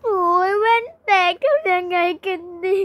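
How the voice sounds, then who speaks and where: A woman's voice: extremely high pitch, expressive, a little slow, dry recording. A young girl voicing a melodramatic mother who sobs and wails over her broken glasses in a toy game role-play. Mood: fussy. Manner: sobbing, wailing melodramatically.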